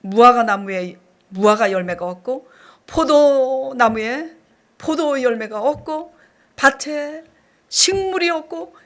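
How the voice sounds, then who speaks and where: High-voiced woman pastor preaching animatedly. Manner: animated, acts out her own past outbursts. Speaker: senior pastor. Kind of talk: sermon with lively storytelling.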